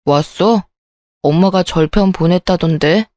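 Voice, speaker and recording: A woman's voice: fairly low pitch, measured pace, darkish tone, dry recording, clean studio sound, pitched below the performer's own voice, lightly acted. A woman voicing a selfish young husband who talks offhandedly and brushes off complaints.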